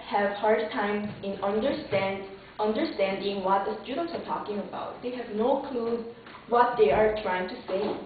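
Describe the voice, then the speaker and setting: A young woman with a Korean accent, applying to be an English teacher, answers job interview questions earnestly but hesitantly, with restarts and fillers. Her voice is medium-pitched, and a little hiss or hum sits under the distant, echoey, lo-fi phone-like room recording.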